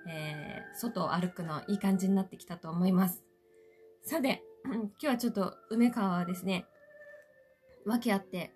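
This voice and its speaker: A woman hosting a solo podcast, chatting politely and playfully to her listeners from a quiet hotel room. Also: mid-range voice. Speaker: podcast host, actress. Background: faint classical Ave Maria music.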